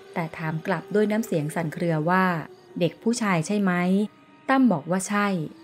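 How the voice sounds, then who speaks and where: Music is heard in the background. Over it, a woman talks. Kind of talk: horror story narration.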